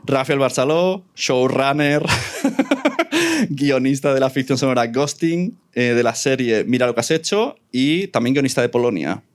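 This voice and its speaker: A man's voice: medium pitch, very animated, a little slow. A man with a Spanish accent from Spain hosts a live panel before an audience. His talk is informal and playful, with teasing asides as he introduces guests and puts questions to them. His voice sits in a medium register. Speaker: event host and panel moderator. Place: live event venue with audience.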